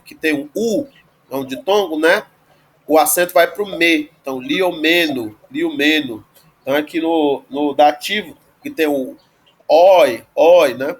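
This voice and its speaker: Man teaching Greek grammar. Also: a little high. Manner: explanatory, frequent "né?" tag questions, slow spelled-out word forms. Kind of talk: online grammar lesson.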